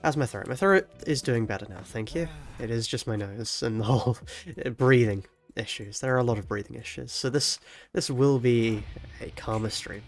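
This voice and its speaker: A young man streaming a video game while ill with a cold, sounding nasal and stuffy, talking quietly with low energy and chuckling now and then. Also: moderate pace, soft background music. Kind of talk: casual live-stream chat while playing.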